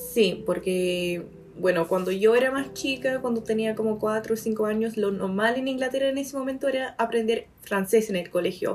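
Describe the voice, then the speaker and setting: A woman with a fairly high-pitched voice talks at a moderate pace with ordinary pitch variation and hardly any pauses. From England. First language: English (speaking Spanish). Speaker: TikTok creator. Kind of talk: casual chat.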